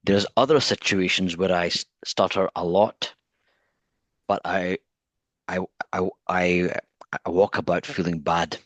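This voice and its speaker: A man's voice: low-pitched, steady tone, unhurried, fairly bright tone, dry recording. A man interviewing a guest, stuttering often with repeated words and blocked sounds, searching thoughtfully for his words. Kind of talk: conversational interview.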